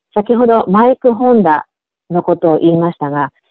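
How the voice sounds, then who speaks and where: A woman speaks at a moderate pace in an ordinary speaking voice. Her pitch is fairly low, with ordinary pitch variation. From Japan, Toyama. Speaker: political supporter. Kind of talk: radio talk.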